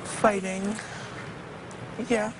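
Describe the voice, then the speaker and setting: A twelve-year-old girl answering questions in short, hesitant replies, her voice altered and lowered to hide who she is. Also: little pitch movement, extremely slow, background noise. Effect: voice altered and lowered to hide identity. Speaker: talk show guest. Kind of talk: studio interview.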